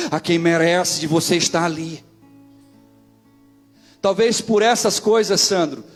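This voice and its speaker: Brazilian male pastor, high-pitched, animated sermon delivery with shouted peaks, faint guitar bed. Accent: Brazilian Portuguese. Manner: animated storytelling, swings into shouting climaxes.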